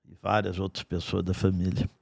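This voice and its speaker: A man's voice: low-pitched, monotone, vocal fry, a little mellow, no room sound. Dry-voiced older man telling wry stories. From Brazil. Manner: wry, unhurried storyteller with dry asides. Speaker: guest singer-songwriter. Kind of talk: storytelling in a podcast interview. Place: podcast studio. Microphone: studio mic on a stand.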